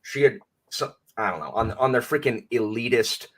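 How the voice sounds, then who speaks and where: A man's voice: mid-range voice, normal speed, a bit bright. A man chatting casually as a guest on a live stream, rambling and self-deprecating with lots of restarts.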